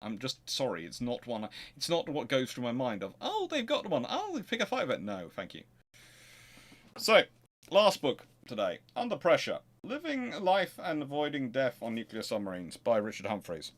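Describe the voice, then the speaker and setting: A man's voice: mid-range voice, huge pitch swings, normal speed. Man hosting an informal history talk. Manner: hesitant, thinking aloud, self-correcting. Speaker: host of a naval history show. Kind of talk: informal question-and-answer talk and reading aloud from books.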